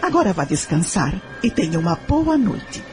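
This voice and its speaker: A woman playing a caring, principled middle-aged mother and wife in a radio drama, earnest and gently moralizing, with a Brazilian accent. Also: fairly low pitch, big pitch swings, moderate pace, over music. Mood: tender, earnest.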